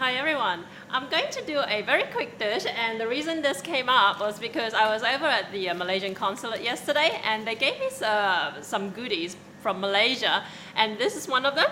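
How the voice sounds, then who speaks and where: A woman with a fairly high voice and lively intonation talks fairly quickly, noticeable background noise audible throughout. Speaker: cooking host. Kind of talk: cooking demonstration talk to camera. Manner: casual, chatty.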